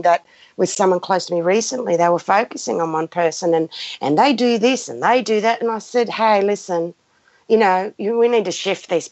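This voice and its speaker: With a mid-range, slightly mellow voice, a woman in her fifties of Greek background guides listeners in a live spiritual session. She speaks emphatically and passionately, unscripted, often repeating phrases. The lo-fi audio is muffled and roomy.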